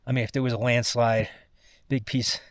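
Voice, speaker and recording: Weary, exhausted man talking haltingly. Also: medium pitch, level tone, no room sound, studio quality. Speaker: mountain climber recording a personal expedition vlog. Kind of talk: casual first-person vlog monologue.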